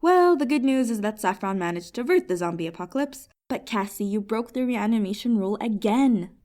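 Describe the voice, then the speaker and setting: A woman's voice: medium pitch, lively intonation, brisk, mellow, natural voice. A woman playing a patient, wry genie who runs a magical help desk in a fantasy comedy audio drama, sounding professional. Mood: patient, businesslike. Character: patient, helpful female genie working magic support desk.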